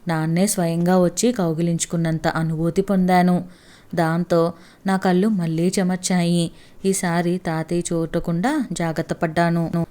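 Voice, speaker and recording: Lady reading a story aloud, lowish mellow voice, steady. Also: moderate pace. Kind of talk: scripted story narration.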